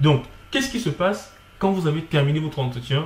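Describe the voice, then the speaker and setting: A man with a Cameroonian accent, fairly high pitch, and a fairly quick pace. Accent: Cameroonian accent, worked on articulation. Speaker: online course instructor. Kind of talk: tutorial.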